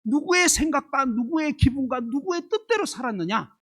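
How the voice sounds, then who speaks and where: This preacher has a very high-pitched, slightly bright voice with lively intonation, moving at a moderate pace on a rough recording. Emphatic throughout, he keeps throwing rhetorical questions at his congregation and grounds his sermon in familiar everyday examples.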